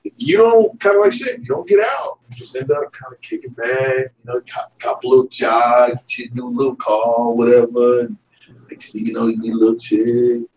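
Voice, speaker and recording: A man's voice: mid-range voice, normal speed, darkish tone. A man in casual voice chat, rambling loosely and swearing, his voice sounding like it comes through a pipe. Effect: sounds like talking through a pipe. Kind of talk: casual voice chat among friends. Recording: muffled, distant lo-fi voice chat with faint noise.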